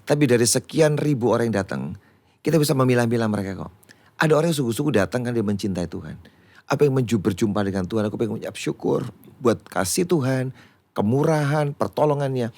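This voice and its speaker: Animated fast-talking pastor, man. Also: mid-range voice, no room sound. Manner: animated, acts out quoted voices, repeats words when excited. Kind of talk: conversational teaching on a church talk show.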